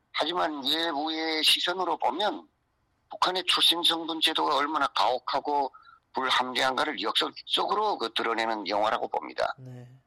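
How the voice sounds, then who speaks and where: In a dry, close recording with no echo, a man with a fairly high, bright, sharp voice talks at a moderate pace with lively intonation. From North Korea. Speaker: defector novelist. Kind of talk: radio interview.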